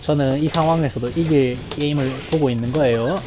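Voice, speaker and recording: A woman streaming her own fighting game match, calling the play and breaking into loud cries and laughs. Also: sits low, a little fast. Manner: reads viewer chat aloud. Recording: game music playing loudly behind.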